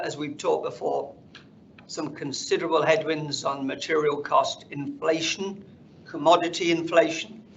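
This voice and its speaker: A man speaking as a company finance executive, presenting slides on an earnings call in a measured corporate delivery. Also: fairly high pitch, creaky, a bit bright. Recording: dull conference call audio, faint noise.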